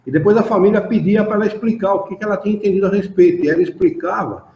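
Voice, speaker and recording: A man's voice: high-pitched, rapid-fire, warm tone. A man with a Brazilian accent leading a spiritist study class, explaining texts and asking the group rhetorical questions. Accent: Brazilian Portuguese. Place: meeting room of a study association. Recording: roomy, dull lo-fi room recording.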